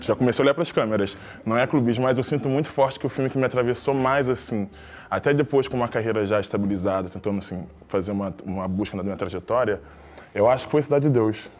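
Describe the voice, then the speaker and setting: A man's voice: mid-range voice, fast, darkish tone. A man from Rio de Janeiro, an actor co-hosting a panel, talking in a loose, conversational way. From Rio de Janeiro, Brazil. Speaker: actor and co-host. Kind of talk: casual panel talk.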